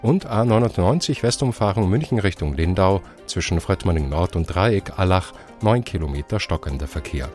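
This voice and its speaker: Low-voiced male radio newsreader. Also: normal speed, hardly any pauses, faint music behind. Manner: even, matter-of-fact delivery. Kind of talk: scripted news and traffic reading. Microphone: studio microphone.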